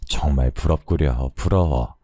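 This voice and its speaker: A man's voice: extremely low pitch, a little slow, dark tone, no room sound, studio quality, voice pushed down. A man voicing a sighing old fortune-teller woman. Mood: lamenting.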